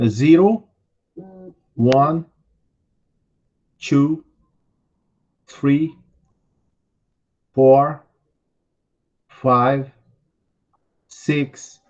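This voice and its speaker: Slow-spoken Brazilian teacher drilling English words. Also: male voice, medium pitch, a little mellow, highs cut off. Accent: Brazilian Portuguese. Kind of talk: recorded online class.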